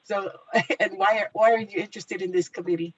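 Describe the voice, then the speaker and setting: A woman's voice: medium pitch, steady tone, brisk, slightly rough, lo-fi sound. A woman chairing a video meeting, upbeat and explanatory, with some ums.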